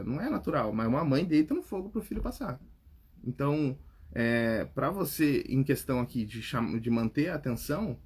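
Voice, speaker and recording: A Brazilian-accented public speaking coach answers viewer comments on a casual podcast, his voice fairly high with a breathy edge. He talks straight to the viewer, tagging his points with "tá?" and "né?" to check in, like asking "right?"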